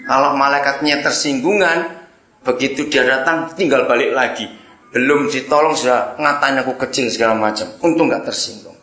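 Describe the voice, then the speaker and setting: Male preacher, bright and lively, storytelling sermon, echoey hall sound. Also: mid-range voice, normal speed. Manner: animated, acts out voices and sound effects.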